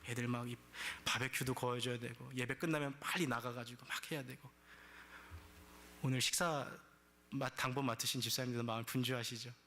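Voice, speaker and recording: Bright-voiced Korean pastor preaching. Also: male voice, medium pitch, fairly quick, a little hiss or hum. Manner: animated storytelling, acts out quoted complaints. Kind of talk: sermon.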